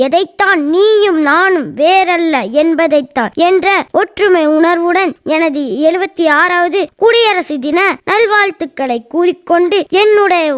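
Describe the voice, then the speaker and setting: A schoolgirl delivers a formal, declamatory speech in a very high, childlike voice. She is recorded close and dry, with no room sound around her. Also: dry recording. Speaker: student giving a speech.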